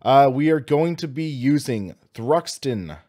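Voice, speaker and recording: Slightly hoarse young American man livestreaming. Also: medium pitch, expressive, unhurried, warm tone. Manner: upbeat, enthusiastic, informal. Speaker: host of a sim racing livestream. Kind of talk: casual livestream chat.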